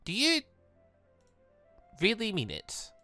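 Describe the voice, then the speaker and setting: Streamer doing an anxious sweet robot girl, hesitant n earnest, bright voice, visual novel game. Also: medium pitch, huge pitch swings, slow, faint music behind, pitched above the performer's own voice, exaggerated voice. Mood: hopeful.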